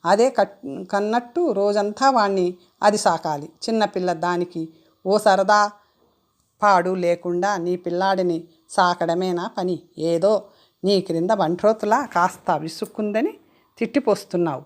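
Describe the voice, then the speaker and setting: A woman voicing a sharp-tongued older mother-in-law who scolds and whines. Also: mid-range voice, unhurried, lightly acted. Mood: scolding. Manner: scolding, whining.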